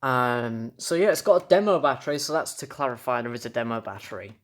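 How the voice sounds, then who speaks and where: A man's voice: mid-range voice, expressive, quick pace. Young man, casual rambling enthusiast. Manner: rambling, enthusiastic, repeats himself. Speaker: toy reviewer. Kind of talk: casual unscripted review vlog.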